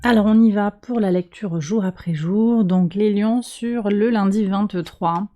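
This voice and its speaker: A woman hosting a weekly tarot and astrology reading, speaking calmly with many pauses and fillers while she has a cold. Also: mid-range voice, muffled recording. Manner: calm, slow, hesitant with many fillers. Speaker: tarot and astrology reader, channel host. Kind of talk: weekly card reading for viewers.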